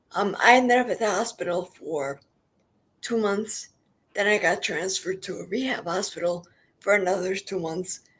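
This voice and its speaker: Speaking at a moderate pace with a non-native accent, a woman uses a medium pitch and ordinary pitch variation. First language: not English. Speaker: coach, stroke survivor. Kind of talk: interview testimony.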